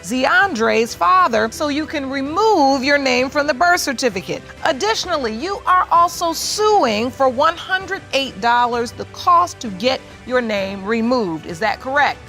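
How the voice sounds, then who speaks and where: High, bright-voiced woman TV judge. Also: lively intonation, measured pace, hardly any pauses, soft background music. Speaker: TV court judge. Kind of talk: courtroom questioning and rulings.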